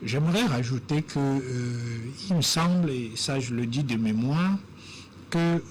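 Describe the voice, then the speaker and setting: A man with an ordinary mid-range voice makes his case deliberately on a televised panel. He pauses often to weigh his words, and a faint background noise sits under the recording. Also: mid-range voice. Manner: deliberate, hesitant with fillers. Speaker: panel guest. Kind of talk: measured TV debate.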